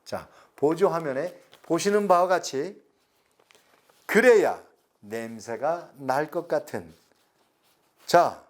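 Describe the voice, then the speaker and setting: A middle-aged man, giving a recorded lecture slowly and deliberately, stretching words and pausing. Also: mid-range voice. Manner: slow, deliberate explanation with drawn-out words and pauses.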